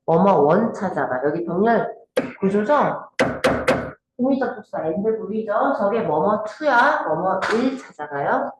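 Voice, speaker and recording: Woman english teacher doing exam prep, keeps asking the class if they're following, voice goes up and down a lot. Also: mid-range voice. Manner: lively, checks in often with students. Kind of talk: exam-prep grammar lesson. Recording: very echoey room with faint noise.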